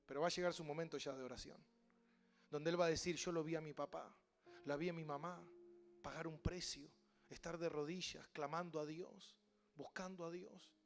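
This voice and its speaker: A man with an Argentine Spanish accent, a pastor preaching a sermon with passion, mimicking voices and building to loud cries. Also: on the high side, steady tone, normal speed, gravelly.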